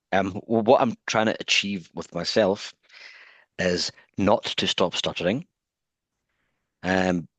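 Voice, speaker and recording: A man's voice: low voice, fairly bright tone, no room sound. A man interviewing a guest, stuttering often with repeated words and blocked sounds, searching thoughtfully for his words. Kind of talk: conversational interview.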